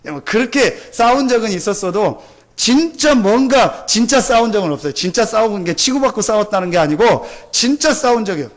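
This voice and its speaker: A man's voice: sits high, animated, fairly quick. A male pastor preaching a Sunday sermon, asking rhetorical questions, answering them himself and building points by repetition. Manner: builds points by repeating phrases.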